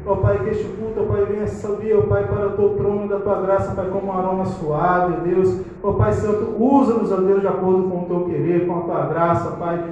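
A man's voice: sits high, flat delivery, a little fast, hardly any pauses, a little mellow, slight background noise. A man in his thirties leading a fervent church prayer on a handheld mic, repeating "ó Pai" and "ó Deus" between phrases. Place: small church hall, indoors. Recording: very echoey room, slightly dull sound.

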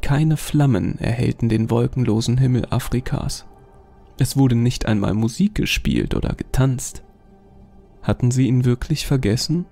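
Male narrator, horror story, measured delivery, gravelly voice, mellow tone. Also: mid-range voice. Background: faint music.

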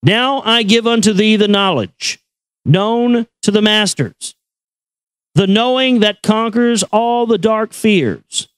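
A man giving a solemn, measured reading of an esoteric text in an incantatory, deliberate manner. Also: sits high, clean tone, no room sound. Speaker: reader and commentator. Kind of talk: solemn recitation of an esoteric text with brief asides.

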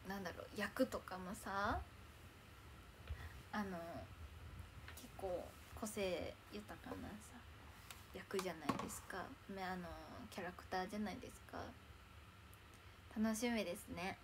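A woman's voice: medium pitch, steady tone, a little slow, pauses often, slight background noise. A young woman chatting casually on a livestream in a bubbly, chatty way, thanking viewers as they arrive. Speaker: idol livestreamer.

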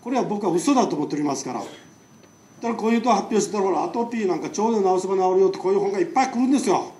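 High-voiced man with a Nagasaki accent. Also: animated, very fast, mellow. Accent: Nagasaki dialect. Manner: chatty, rhetorical questions to the audience. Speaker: lecturing doctor. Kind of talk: public lecture. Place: lecture hall. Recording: echoey hall, mic far off.

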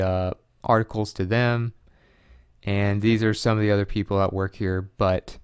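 Low-voiced man with a clear, casual walkthrough. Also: no room sound, clean studio sound. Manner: loose and conversational, frequent fillers, reads out web addresses. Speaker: online money tutorial presenter. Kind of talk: casual screen-share walkthrough.

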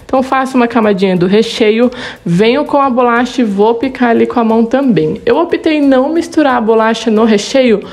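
A woman's voice: on the high side, fairly quick, darkish tone. A woman in her thirties with a Brazilian Portuguese accent, hosting a cooking channel and walking viewers through a recipe in a friendly, chatty way that checks in with "tá bom?". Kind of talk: recipe tutorial with voice-over. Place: home kitchen studio for the intro.

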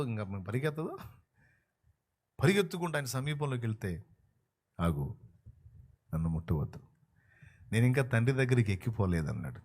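A man preaching a sermon as a pastor, telling a story fervently and swinging between hushed and loud passages. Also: on the high side.

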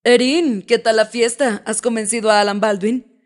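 A woman's voice: fairly high pitch, steady tone, moderate pace, close to an everyday voice. Pushy man, boss type, audiobook, read by a woman. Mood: impatient. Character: worried male boss on the phone.

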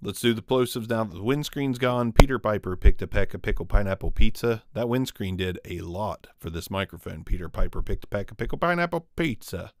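A man's voice: expressive, fairly quick, hardly any pauses. A man in his forties reviewing a microphone in a casual, upbeat way, talking close into a studio condenser in a small home studio. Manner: upbeat, conversational, frequent pitch jumps when emphasizing. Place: small dark studio room with guitars. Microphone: studio condenser on boom, close.

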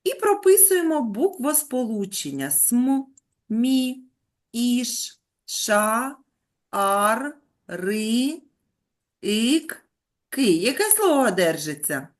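A primary school teacher runs an online lesson for young children over video call, patient and coaxing, praising them with pet names. Her voice is on the high side, with big pitch swings and a slow pace.

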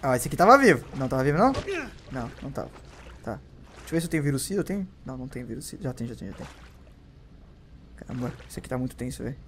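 A young man with a Brazilian accent commentating his gameplay, who swears constantly and yelps and shouts whenever he is startled. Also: medium pitch, sing-song, very fast, long pauses, background noise. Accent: Brazilian Portuguese. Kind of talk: let's play commentary.

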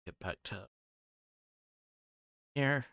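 A man livestreaming in a halting, hesitant manner, chatting casually and reading game text aloud. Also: mid-range voice, vocal fry, pushed and bright, no echo, studio quality.

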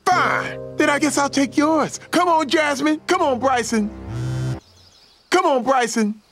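A proud cartoon dad. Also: male voice, extremely high pitch, unhurried, a bit bright, exaggerated voice. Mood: stubborn pride. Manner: boastful, earnest. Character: proud, boastful dad on a family camping trip. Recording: music bed behind the dialogue.

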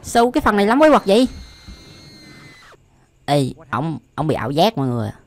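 A man's voice: on the high side, wildly swooping pitch, a little fast. A young man with a Southern Vietnamese accent giving casual, slangy, exclamatory reaction commentary as a video host. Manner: slangy, frequent exclamations and laughter.

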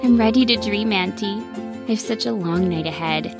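A woman voicing an eager little girl fox in a storybook, excited and pleading. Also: mid-range voice, moderate pace, music in the background, lightly acted.

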